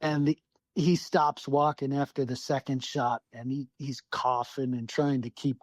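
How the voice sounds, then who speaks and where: Speaking at a medium pitch with a level tone and measured pace, this man's recording is dry. He's a Southwest Alaskan guest on a podcast, swearing freely and acting out his own thoughts as he tells a salty hunting story.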